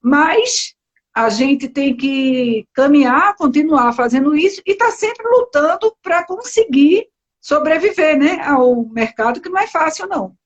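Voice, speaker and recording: A woman's voice: sits high, lively intonation, unhurried, lo-fi sound. A woman from Recife with a Pernambuco accent, talking as a guest in a live interview and rambling with many fillers. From Recife, Brazil. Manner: chatty, many fillers and self-corrections. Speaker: entrepreneur, guest. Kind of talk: casual live-stream interview.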